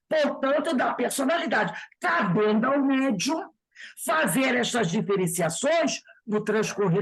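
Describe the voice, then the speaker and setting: A woman teaching an informal spiritist study class, reading passages from a book and explaining them conversationally, often asking "né?" and slowing down to stress key words. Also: fairly high pitch, breathy edge. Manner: conversational, with frequent tag questions.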